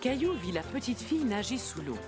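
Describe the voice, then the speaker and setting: A kindly storybook narrator tells a small child's cartoon tale in scripted style, with loud music underneath. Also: female voice, fairly high pitch, sing-song, a little fast. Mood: kindly, storytelling. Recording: loud music bed behind the voice.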